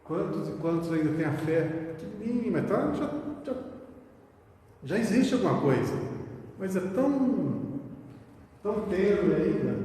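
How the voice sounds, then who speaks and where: A man's voice: high-pitched, dark tone, a little hiss or hum. A man giving a spiritist study talk, reading short passages aloud and explaining them with rhetorical questions. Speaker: spiritist lecturer. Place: meeting hall of a spiritist center. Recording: echoey hall recorded from far off.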